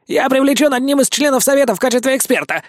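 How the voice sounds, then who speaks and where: A man voicing a pompous learned male white rat, shrill and self-important. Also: fast talker, no echo, studio quality. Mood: indignant.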